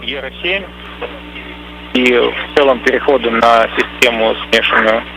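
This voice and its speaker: A man's voice: mid-range voice, fairly even intonation, moderate pace, bright, forceful tone. A man working as a mission control operator, speaking procedurally and with some hesitation over a crackly two-way radio link. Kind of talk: radio communication with spacewalk crew.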